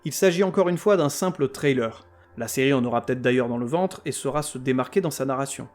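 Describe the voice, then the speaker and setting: A man's voice: mid-range voice, quick pace, a little mellow, faint music behind. A man hosting a podcast who reviews TV series in a scripted comic style, full of sarcasm, crude words and mock outrage. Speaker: podcast host.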